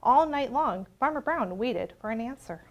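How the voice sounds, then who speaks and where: A woman reading a children's picture book aloud, expressive, with singsong sound effects. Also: fairly high pitch, normal speed, lo-fi sound. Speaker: storyteller. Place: public access TV studio.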